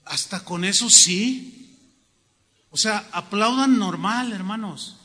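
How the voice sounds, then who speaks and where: Bright high Mexican preacher in a hall. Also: male voice, slow pace. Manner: humorous, animated storytelling. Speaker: pastor. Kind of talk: sermon. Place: church hall.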